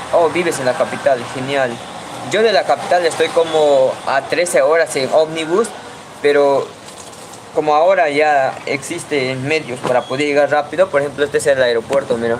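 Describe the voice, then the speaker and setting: With a Peruvian Amazon accent, a man speaks at a fairly high pitch and moderate pace with ordinary pitch variation. Noticeable background noise is heard. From Peru, central jungle (Asháninka). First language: Asháninka (speaking Spanish). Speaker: content creator, livestreamer. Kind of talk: casual livestream chat.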